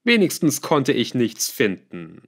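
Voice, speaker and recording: A man voicing a scheming male villain in an audiobook, calm, smug and lightly scornful. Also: medium pitch, takes it slowly, exaggerated voice. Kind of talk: audiobook character voice.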